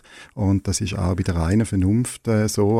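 Recorded very cleanly against a silent background, the dry, close sound with no echo carries a man's fairly low-pitched, dark, mellow voice with fairly even intonation and a St. Gallen accent. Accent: St. Gallen Swiss German dialect. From eastern Switzerland, St. Gallen. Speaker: religious studies lecturer and theologian. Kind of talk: radio interview. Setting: radio studio.

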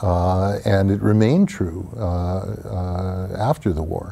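This man's voice is very deep and low, with a dark, mellow tone. It is somewhat breathy, with ordinary pitch variation. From Canada, Winnipeg. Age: 70s. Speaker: professor. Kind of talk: interview. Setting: studio.

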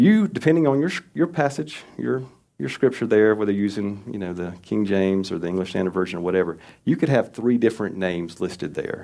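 Very wide pitch swings and a dark, mellow tone mark this very fast speech in a Southern US accent. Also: man, fairly low pitch for a man. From US South, upstate South Carolina. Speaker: church elder, lay preacher. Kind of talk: sermon. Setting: church.

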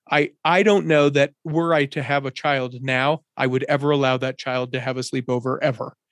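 With a normal speaking voice, a man at fairly high pitch talks at a moderate pace with fairly even intonation, the sound dry and close with no echo against a quiet background. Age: 40s. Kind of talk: casual chat.

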